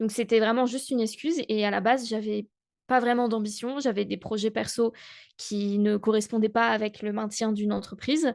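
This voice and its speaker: With a quiet background, a woman with an unremarkable speaking voice talks with fairly even intonation. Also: fairly high pitch for a woman, moderate pace. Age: 20s. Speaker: entrepreneur making handmade notebooks. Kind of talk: casual podcast chat.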